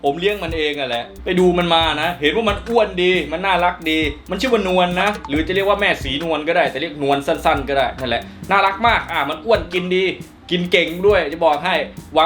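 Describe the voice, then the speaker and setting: A man's voice: on the high side, a bit bright, natural voice. A man voicing a sarcastic young adult son who argues back at his father, in a cartoon fan dub. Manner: defensive, mocking. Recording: music under the voice.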